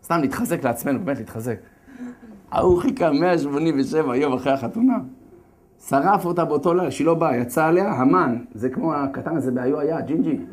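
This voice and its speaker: A religious lecturer retelling a holiday story in a lively, slangy, joking way, then turning to its lesson. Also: male voice, fairly high pitch. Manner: animated, slangy, jokey storytelling. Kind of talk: lively comic Torah talk.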